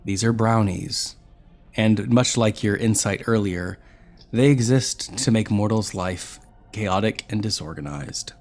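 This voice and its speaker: A man's voice: on the low side, measured pace, a little mellow. A man running a tabletop game as game master, narrating scenes and calling for rolls.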